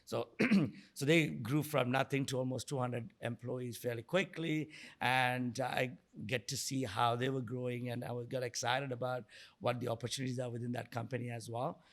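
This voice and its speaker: A man's voice: mid-range voice, fairly even intonation, moderate pace. A middle-aged man from Sri Lanka answering interview questions conversationally as a guest, often repeating words and rephrasing as he goes. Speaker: guest, entrepreneur and investor.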